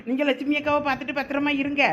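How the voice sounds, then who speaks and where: A woman's voice: high voice, completely flat delivery, fairly bright tone, a little hiss or hum. A woman playing a reassuring village neighbour. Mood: brisk. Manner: brisk and reassuring. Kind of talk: village comedy-drama acting. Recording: dull, lo-fi recording.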